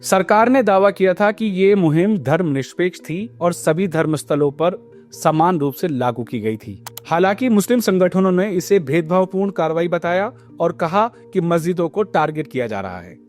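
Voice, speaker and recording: A man's voice: high voice, animated, moderate pace, a little mellow. A man narrating a scripted news report as a reporter, explaining and posing pointed questions. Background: background music.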